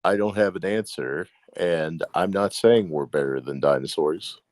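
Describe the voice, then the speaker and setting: A man's voice: sits low, measured pace, darkish tone. A man hosting casual comedic commentary with a dry, wry manner. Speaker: host.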